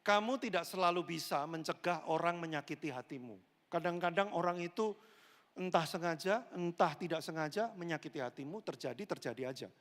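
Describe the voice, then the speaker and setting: A pastor preaching a lively sermon and acting out the voices of the people in his stories. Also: fairly high pitch, brisk. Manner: animated storyteller, switching voices for characters. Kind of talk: lively sermon with acted-out dialogue. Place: large church hall. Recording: long hall reverb.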